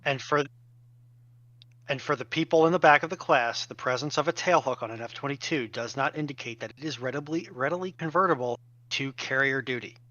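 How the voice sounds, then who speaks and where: Forceful man on slightly dull audio. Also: medium pitch, a little fast, dry recording. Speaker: panelist. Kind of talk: informal expert discussion. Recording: dull, band-limited audio.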